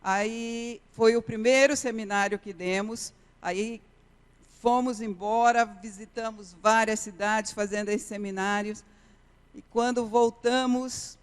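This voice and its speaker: In a church sanctuary with reverberant acoustics, a woman missionary preaches a sermon as an earnest testimony, frequently coming back to key phrases. She has a clean, medium-pitched voice.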